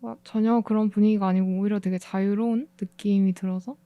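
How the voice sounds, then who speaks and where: Mid-pitched woman in a dry recording. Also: fairly even intonation, fairly quick, no echo, lo-fi sound. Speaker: guest animation director. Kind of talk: casual interview chat.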